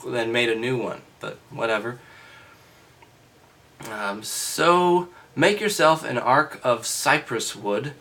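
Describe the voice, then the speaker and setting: Male reader-commentator, mid-pitched, just out of bed; casual, halting read-aloud with dry, doubting asides. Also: fairly bright tone. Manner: skeptical, wry asides. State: just woke up. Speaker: host reading aloud and commenting.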